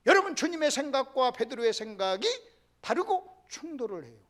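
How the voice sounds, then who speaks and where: A male pastor preaching a sermon lecture, emphatic, keeps calling out to the congregation, and sometimes drops to a hushed whisper. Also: very high-pitched, very animated, fairly quick.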